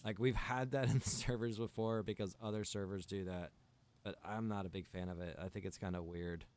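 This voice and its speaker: Casting: young adult male streamer, low-ish voice, loose rambling chat with viewers. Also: a little fast. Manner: rambling, relaxed, chatty with viewers. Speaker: streamer and server owner. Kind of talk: casual gaming stream chat.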